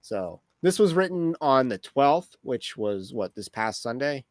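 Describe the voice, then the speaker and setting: A man hosting a casual livestream, talking through topics with wry, rambling asides. His voice sits at an ordinary middle pitch. The sound is dry and close, with no room around it. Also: very animated, a little slow, no room sound. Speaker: livestream host.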